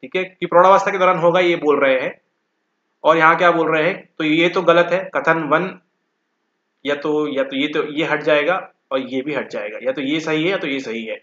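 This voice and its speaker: Man, teacher going through exam questions, bright forceful tone, roomy lo-fi recording. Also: a little high, moderate pace. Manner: addresses students directly, repeats words for emphasis. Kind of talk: exam question walkthrough lecture. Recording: echoey room, dull lo-fi sound.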